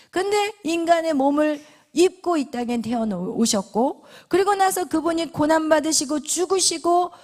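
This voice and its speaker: A woman pastor preaching a sermon. She asks the congregation questions and answers them in a hushed whisper, with sudden emphatic rises in between. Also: sits high.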